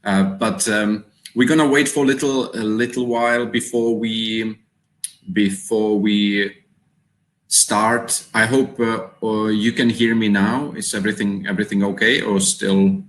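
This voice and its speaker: Hosting a live webinar, this man from the Czech Republic talks with a Czech accent in a lowish voice, a little slowly and with fairly even intonation. There's a roomy echo, and his speech is hesitant, filled with fillers and repetitions.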